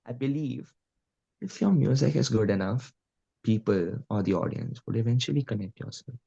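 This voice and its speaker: A man's voice: medium pitch, animated, normal speed, vocal fry, mellow, husky, lo-fi sound. A young man with an Indian Punjabi accent, a guest musician talking earnestly and casually, with lots of "you know" and "like". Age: young adult. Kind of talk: casual interview talk.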